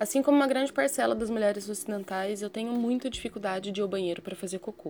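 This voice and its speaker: A woman is talking. Behind her voice, music can be heard. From Londrina, Paraná, Brazil. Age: 30s. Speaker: oceanographer. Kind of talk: recorded testimony.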